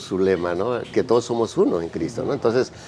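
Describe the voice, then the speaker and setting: A medium-pitched male voice comes through over noticeable background noise. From Peru. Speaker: priest. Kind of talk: interview.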